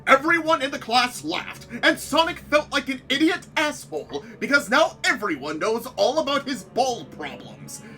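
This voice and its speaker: A young woman reading a silly story aloud in an animated, mock-dramatic way, as a comic co-host. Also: high voice, normal speed, few pauses, faint music behind.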